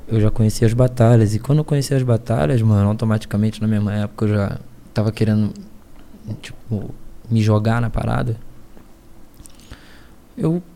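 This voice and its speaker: A man in his thirties with a Rio de Janeiro accent, a rap battle MC talking slowly as a podcast guest, hesitant and full of slang fillers. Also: on the low side, steady tone, creaky, warm tone, a little hiss or hum. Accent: Carioca Brazilian Portuguese. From Niterói, Rio de Janeiro, Brazil. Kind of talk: casual interview chat.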